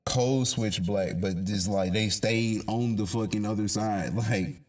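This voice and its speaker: A young man with an African American accent and a fairly low voice. He talks like a podcast host in casual chat, loose with slang and free with swearing. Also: unhurried, darkish tone. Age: young adult. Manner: slangy, informal, swears freely.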